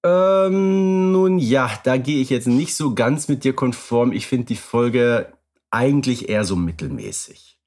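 A podcast co-host with a mid-range voice talks a little slowly, chatting casually and wryly about radio plays. He tells stories in a lively way and uses some fillers.

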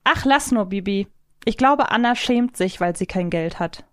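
A woman's voice: medium pitch, animated, moderate pace, no echo, clean studio sound. A woman hosting a casual podcast quiz, chatting and reading out quotes. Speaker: podcast host and quizmaster.

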